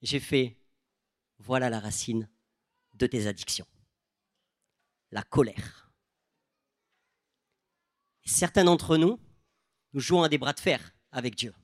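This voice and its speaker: A young preacher from southern France speaks with a noticeable southern French accent, telling his story in an animated way and slipping into other people's voices when he quotes them. His voice sits at a middle pitch and sounds dry and close, with little room sound. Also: slow pace, long pauses, dry recording. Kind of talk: sermon.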